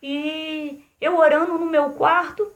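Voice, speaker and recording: A woman's voice: high voice, steady tone, slow pace. A middle-aged woman pastor preaching a sermon, telling her own story and addressing the congregation as brothers and sisters. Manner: testimony-style preaching, addressing listeners as brothers.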